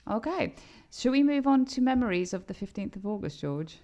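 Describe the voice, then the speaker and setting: A woman's voice: fairly high pitch, big pitch swings, a little fast, warm tone, lo-fi sound. A woman co-hosting a travel podcast in casual chat, talking freely with restarts and repeated words. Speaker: podcast co-host.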